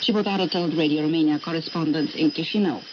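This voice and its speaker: A woman's voice: low voice, fast. A woman presenting scripted news narration on a radio programme. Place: radio studio, heard over shortwave. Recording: noisy muffled shortwave radio broadcast.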